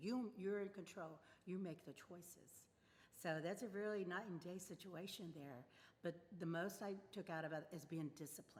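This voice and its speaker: In an American accent, a woman speaks in a plain, everyday voice at a fairly low pitch. Her pace is moderate, with ordinary pitch variation. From Texas, Houston. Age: 60s. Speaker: former military police officer turned entrepreneur. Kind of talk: interview testimony.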